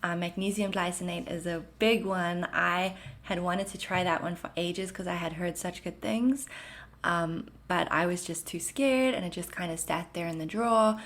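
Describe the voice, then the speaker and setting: A woman's voice: on the low side, normal speed. Reassuring woman with a South African-Canadian accent. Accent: South African mixed with Canadian. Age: 30s. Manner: gentle, reassuring, chatty with many "like" and "um" fillers. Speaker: podcast host. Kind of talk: casual solo podcast talk.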